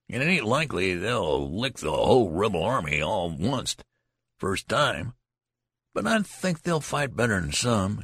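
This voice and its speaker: A man's voice: low-pitched, gravelly, slightly rough, no room sound, studio quality, heavily acted. A man voicing a tall, boastful young soldier who talks in a folksy, lecturing way. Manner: folksy rural talk, lecturing.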